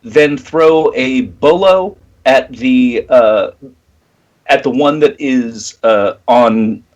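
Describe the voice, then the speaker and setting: A man playing a tabletop roleplaying game, talking casually in hesitant, measured phrases. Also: mid-range voice, poor audio.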